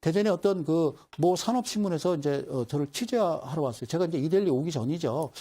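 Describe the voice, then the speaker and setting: Animated middle-aged man giving a stock lecture. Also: on the high side. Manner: animated, repetitive, addresses viewers directly. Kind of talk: broadcast stock lecture with storytelling.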